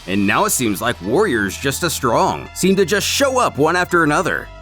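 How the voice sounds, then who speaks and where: A man's voice: fairly high pitch, huge pitch swings, moderate pace, fairly bright tone, soft background music. A man narrating a scripted story recap in a dramatic, emphatic way.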